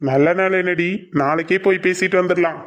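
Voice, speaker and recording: Man voicing a gruff stubborn husband. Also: high voice, fairly even intonation, fairly quick, dull audio, natural voice. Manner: gruff, curt. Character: middle-aged husband and father, gruff and stubborn. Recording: soft music underneath.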